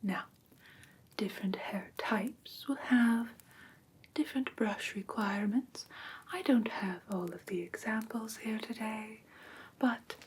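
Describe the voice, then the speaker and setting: An ASMR performer voices a prim, strict female vampire who teaches human pet care, speaking in a soft, breathy whisper for a roleplay class. Her voice sits a little high and sounds exaggerated. The delivery is formal, precise and deliberate, theatrically stern, with an instructive mood.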